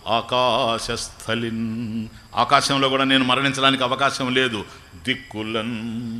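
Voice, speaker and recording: A man, a spiritual teacher, giving a storytelling religious discourse. He chants scripture verses slowly, then explains them in everyday talk with jokes. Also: fairly high pitch, sharp tone.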